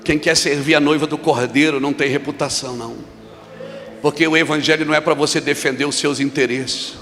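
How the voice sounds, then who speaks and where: A man preaching at a church conference, telling a story and then shouting emphatic declarations to the congregation. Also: a little high, steady tone, fairly quick, creaky, slight background noise. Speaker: pastor. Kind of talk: sermon with storytelling. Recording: long reverb of a large hall with music.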